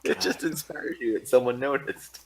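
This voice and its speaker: A man's voice: medium pitch, normal speed, noisy background. A man playing a tabletop game, dropping wisecracking asides. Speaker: player.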